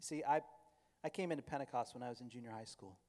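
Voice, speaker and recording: A man speaks with ordinary pitch variation. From Ohio, US. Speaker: missionary preacher. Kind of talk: sermon. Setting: church.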